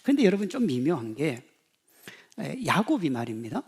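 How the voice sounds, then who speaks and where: Man in his 50s, pastor preaching, gravelly voice, dramatic swings between loud and hushed. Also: fairly high pitch, sing-song, moderate pace. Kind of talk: sermon.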